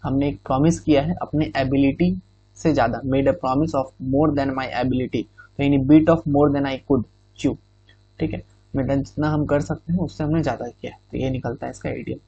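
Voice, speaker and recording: A man's voice: medium pitch, fairly even intonation, normal speed, mellow, breathy edge, no echo. Man teaching idioms in a dull recording. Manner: repeats "ठीक है" often, explains in Hindi with English phrases. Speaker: exam prep teacher. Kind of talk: explaining idioms to students.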